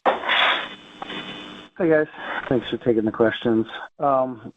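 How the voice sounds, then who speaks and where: A man's voice: mid-range voice, very slow, a bit bright. Male caller on a tinny, noisy line. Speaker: analyst caller. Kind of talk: casual questioning on earnings call. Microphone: phone.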